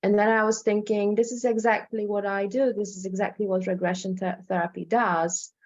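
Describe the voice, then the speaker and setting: A Polish woman with a Polish accent, a hypnotherapist, gives an informal presentation in a medium-pitched, fairly even, brisk voice with a darkish tone. She speaks hesitantly, repeats words, and keeps checking in with listeners by tagging sentences with "right?" The audio sounds dull.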